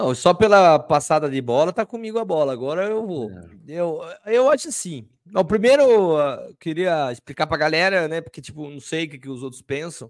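With hardly any pauses, a man talks at a moderate pace in a high pitch, his loudness swinging widely against a quiet background. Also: lively intonation. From Brazil. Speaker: podcast host. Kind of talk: casual chat. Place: home room. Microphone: studio mic.

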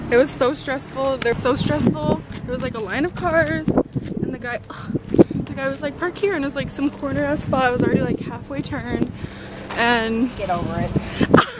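A woman's voice at a moderate pace, dry with no echo, over loud background noise. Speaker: vlogger. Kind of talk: casual vlog chat. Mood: flustered, laughing. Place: street. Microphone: phone near.

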